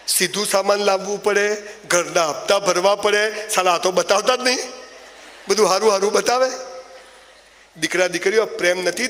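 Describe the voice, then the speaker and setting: A man delivers a motivational speech, spinning comic stories with mocking asides. His voice sits high for a man. It rings out with a long hall reverb. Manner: animated storytelling with mocking asides. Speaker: motivational speaker.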